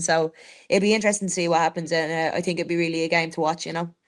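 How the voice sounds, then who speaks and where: Over a quiet background, a woman with a Dublin accent speaks in a fairly low pitch with monotone, flat intonation. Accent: Dublin Irish. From Dublin, Ireland. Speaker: rugby player and podcast co-host. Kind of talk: sports podcast discussion. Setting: video podcast. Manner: halting, many false starts.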